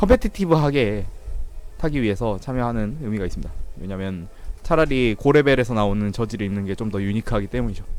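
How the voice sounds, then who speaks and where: A man with a medium-pitched voice speaks at a fairly quick pace and with lively intonation over music in the background. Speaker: amateur cyclist commentating own race. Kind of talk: live commentary. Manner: unedited, some slurred words.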